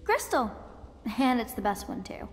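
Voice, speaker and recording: An actress playing a playful, sulky young princess in a video game. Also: female voice, fairly high pitch, big pitch swings, moderate pace, in a large hall, a little hiss or hum. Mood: matter-of-fact. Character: playful, sulky young girl heir to a throne.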